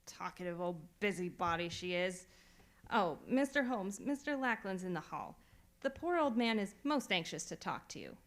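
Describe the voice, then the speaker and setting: A woman's voice: medium pitch, expressive, normal speed, a little hiss or hum, lightly acted. Woman playing crabby, blunt village landlady. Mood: irritated, then matter-of-fact. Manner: blunt, grumbling, gossipy. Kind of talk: radio theatre acting.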